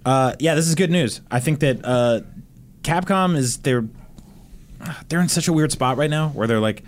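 A man chatting casually on a video game podcast in an animated, emphatic way. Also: on the high side, moderate pace, slight background noise. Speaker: podcast panelist. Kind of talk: casual chat about video games.

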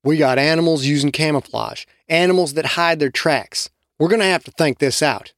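A narrator voicing a calm, authoritative cowboy hunter who speaks coldly and plainly, in a dry, close recording. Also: male voice, a little high, moderate pace, no room sound. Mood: commanding. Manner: calm, commanding, drawling.

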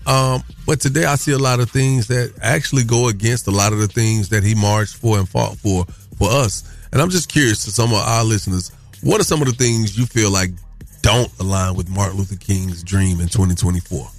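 A man's voice: lowish voice, a little fast, soft background music. A man hosting a morning radio show in casual, colloquial talk. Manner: colloquial, conversational.

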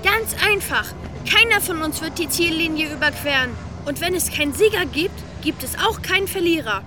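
A woman's voice: extremely high pitch, animated, normal speed. A woman voicing a brave, loyal little talking train in a children's audio drama, with a childlike, earnest manner. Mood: determined. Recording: loud music under the voice.

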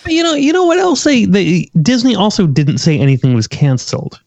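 A man's voice: sits high, very animated, brisk, creaky, darkish tone, no echo. A man co-hosting over a remote call that buzzes and cuts out. He talks casually and halts, repeating words as he thinks. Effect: buzzy glitchy call audio that cuts out. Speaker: podcast co-host on a remote call. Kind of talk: casual chat. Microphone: remote call microphone. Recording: muffled, dry, lo-fi online call line.

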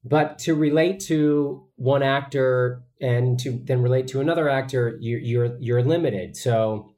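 Speaking unhurriedly in a mellow, mid-range voice, a man appears as an actor guest in an interview. He answers in an earnest, conversational way, often using fillers and restarting his sentences.

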